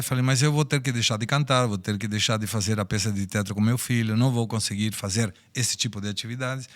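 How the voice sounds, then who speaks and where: Appearing as a podcast guest, this Argentine man in his sixties, a native Spanish speaker, shares personal stories and life lessons thoughtfully in his Argentine accent. His voice is medium in pitch and a bit bright.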